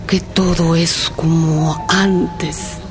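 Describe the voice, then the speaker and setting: A woman's voice: deep voice, fairly even intonation, drawn-out words, noisy background. An actress playing a wistful rural Mexican woman in a radio play, chanting her memories in repeated phrases. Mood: dreamy longing. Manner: incantatory repetition, speaking of herself in third person. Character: wistful rural woman longing for home and family. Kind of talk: poetic radio theatre monologue.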